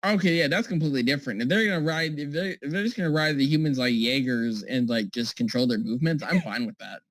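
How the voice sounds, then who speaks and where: A man's voice: medium pitch, animated, fast, a bit bright, no echo, low-quality recording. A man co-hosting a casual podcast over a call, rambling and joking, often restarting and apologizing. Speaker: podcast co-host.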